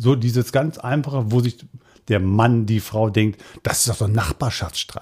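A man's somewhat breathy voice is heard on a very clean recording with a silent background. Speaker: podcast host. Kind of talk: interview.

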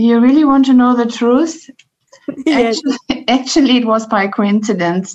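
With a German accent, a woman speaks at a high pitch and a moderate pace, with ordinary pitch variation and very even loudness. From Germany, Ruhr region (Mülheim an der Ruhr). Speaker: management consultant. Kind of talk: interview.

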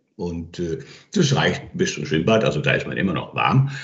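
Vocal fry marks this man's voice. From Iceland, Reykjavik. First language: Icelandic (speaking German). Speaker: journalist and airline communications manager. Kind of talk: interview.

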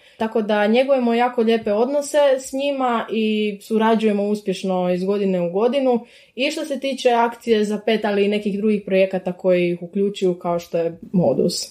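On a very clean recording with a silent background, a woman with a fairly high, dark and mellow voice speaks at a fairly quick pace with ordinary pitch variation. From Croatia, Opatija. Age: 20s. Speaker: civil society worker. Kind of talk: interview.

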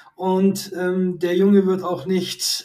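This is a man speaking. His voice is high in pitch. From Allgäu, Bavaria, Germany. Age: 50s. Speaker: medical cannabis patient and advisor. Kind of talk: interview.

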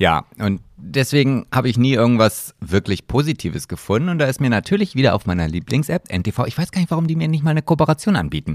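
Talking at a very fast pace with hardly any pauses, a man makes very wide pitch swings. The recording is very clean, with a silent background. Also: medium pitch for a man, dry, close sound with no echo. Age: older than co-host. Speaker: podcast co-host. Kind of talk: casual chat.

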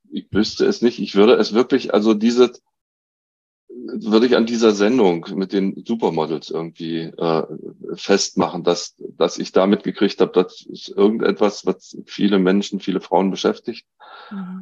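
The man speaks at a moderate pace. The sound is dry and close, with no echo. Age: 60s. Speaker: retired deacon. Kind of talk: casual interview.

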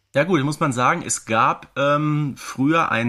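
A man with a fairly high pitch speaks in a bright, sharp tone. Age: 30s. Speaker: podcast co-host. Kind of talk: casual chat. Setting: remote recording.

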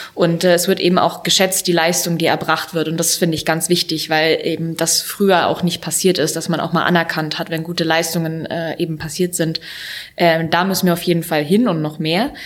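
Amid noticeable background noise, a woman with a fairly low pitch talks fairly quickly in a monotone, flat intonation. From Bavaria, Starnberger See. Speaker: hotel professional. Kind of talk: panel discussion. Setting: hotel industry conference.

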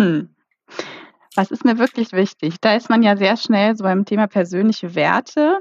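At a moderate pace, a woman talks in an unremarkable speaking voice with a medium pitch. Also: ordinary pitch variation. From Ruhr area, Germany. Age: 40s. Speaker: HR executive. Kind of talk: interview.

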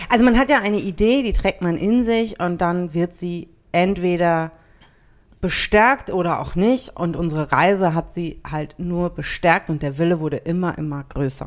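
This woman has a plain, everyday voice, pitched fairly low, and talks at a moderate pace with lively intonation. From Berlin, Germany. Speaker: podcast co-host. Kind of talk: casual chat.

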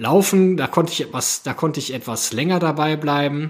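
At a moderate pace, a man talks at a fairly high pitch in an ordinary speaking voice. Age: 40s. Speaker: podcast host, entrepreneur and father. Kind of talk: personal monologue. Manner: casual, with fillers and self-corrections.

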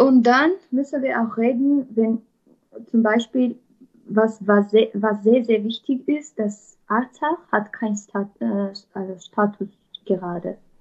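Speech comes at a very slow pace with long, frequent pauses, in an Armenian accent. The voice is somewhat breathy, with ordinary pitch variation. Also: woman, fairly high pitch for a woman. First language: Armenian (speaking German). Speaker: student and author. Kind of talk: interview. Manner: halting, many fillers.

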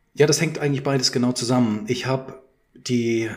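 Very fast male speech pitched in the medium range. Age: 30s. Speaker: fathers' coach. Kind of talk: casual interview.

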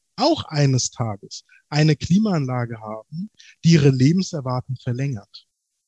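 This man has a fairly high pitch and a somewhat breathy voice, talking at a fairly slow pace. His intonation is lively, and the sound is dry and close with no echo. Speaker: political scientist. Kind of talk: panel discussion. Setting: video call.

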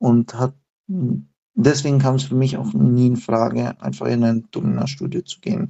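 A man talks in an ordinary speaking voice at a medium pitch. His intonation is lively and his pace moderate. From southern Germany. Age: 20s. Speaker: podcast guest. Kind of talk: interview answers.

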